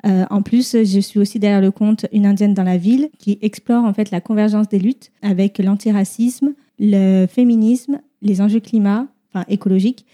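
A woman's voice: mid-range voice, steady tone, moderate pace, hardly any pauses, warm tone. A woman guest speaking thoughtfully, piling up examples. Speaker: podcast guest. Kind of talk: casual discussion.

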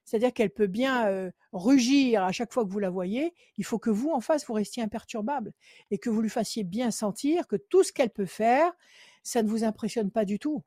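A woman's voice: a little high, lively intonation, a little fast, warm tone, no room sound, studio quality. A woman working as a psychic on a call-in show. She gives firm advice again and again and counts cards under her breath. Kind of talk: phone consultation with card reading.

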